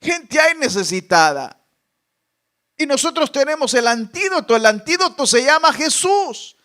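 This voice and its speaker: A man's voice: extremely high pitch, big pitch swings, unhurried, pushed and bright. A male pastor preaching a fervent sermon, exhorting the congregation with repeated questions.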